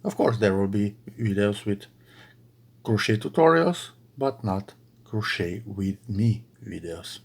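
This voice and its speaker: Slow, husky-voiced Slovenian man. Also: lowish voice, expressive, darkish tone. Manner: halting, many filler "uh"s and restarts. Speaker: crochet video creator. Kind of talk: casual chat to followers while crocheting. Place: bedroom at home.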